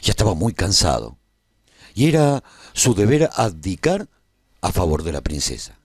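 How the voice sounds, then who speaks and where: Radio drama narrator, played by a male actor: low-voiced, earnest, reflective man, solemn dramatic phrasing, very close dry sound. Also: very animated, moderate pace, husky, no echo, full character voice. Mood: grave, dramatic. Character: earnest, reflective man recounting his life at a royal court. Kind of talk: scripted radio serial narration.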